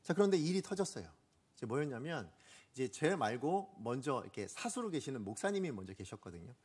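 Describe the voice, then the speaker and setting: Fast-talking husky male pastor. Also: mid-range voice. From Korea. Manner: animated, asks the congregation questions; acts out quoted speech. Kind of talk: storytelling sermon.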